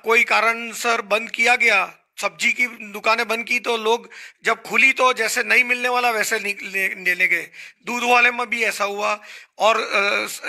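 A man's voice: high-pitched, vocal fry, bright, forceful tone. A middle-aged man with an Indian accent, a hotel association guest on a talk show, explaining earnestly into a handheld mic in a small studio. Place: small studio set, indoors.

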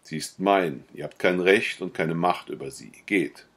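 A man's voice: low-pitched, a little slow, a bit bright, exaggerated voice. A man voicing Fenice, a proud and stern young woman, in firm, dismissive lines of a read-aloud novella.

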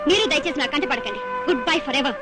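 A woman's voice: sits high, lively intonation, fairly quick, music in the background. A woman acting a proud young woman who firmly rejects a man's love, lecturing and indignant.

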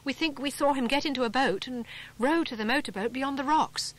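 A woman's voice: mid-range voice, unhurried, fairly bright tone, natural voice, poor audio. A woman voicing a sensible, earnest teenage boy in a storybook reading.

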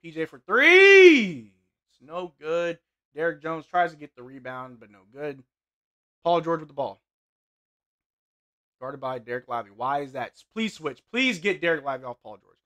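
Bright-voiced young man calling a game. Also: fairly high pitch, normal speed, long pauses. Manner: play-by-play calls mixed with relaxed banter. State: voice getting hoarse. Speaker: sports watch-along streamer. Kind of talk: live game commentary and chat reading. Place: small indoor room with gaming chair.

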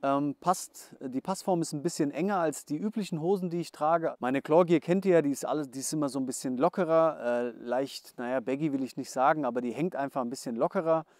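A man's voice: fairly high pitch, a little mellow, no echo, clean studio sound. Chatty man reviewing outdoor gear. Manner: chatty, many "ähm" fillers, hurried. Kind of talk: casual product review, voice-over then to camera. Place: outdoors at dusk.

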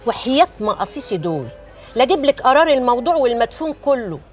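A woman's voice: sits high, very animated, fast talker, faint music behind. An actress playing a nosy, gossiping older neighborhood woman with an Egyptian accent and dramatic folksy exclamations. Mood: gossipy. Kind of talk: TV drama acting.

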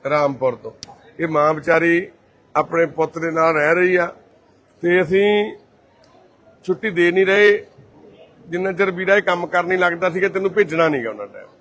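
A man from Punjab, India, the volunteer host of a care society, walking through a care centre and gently reassuring patients and their families. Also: a little high. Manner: gentle and reassuring, calls people mother and brother. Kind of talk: casual on-camera walkthrough talk.

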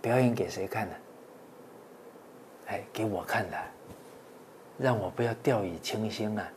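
A man's voice: on the low side, a little mellow, a little hiss or hum. Earnest man giving a dharma talk. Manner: frequent drawn-out "ah" and "oh" fillers, earnest exhorting. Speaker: Buddhist monk lecturer.

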